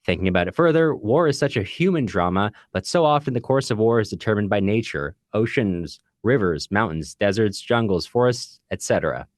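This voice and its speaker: A man with a low voice co-hosts a book podcast. He speaks in a casual, conversational way, and the sound is dry, with very little room in it. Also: animated, brisk, hardly any pauses, no echo. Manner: reads listener comments aloud. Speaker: podcast co-host.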